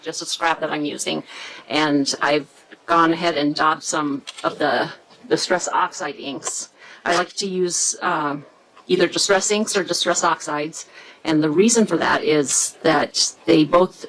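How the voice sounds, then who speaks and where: A woman hosting a casual craft tutorial, chatty and hesitant, often pausing to search for words. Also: sits low, steady tone, fairly bright tone, a little hiss or hum, low-quality recording. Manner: chatty, self-deprecating about pronunciation.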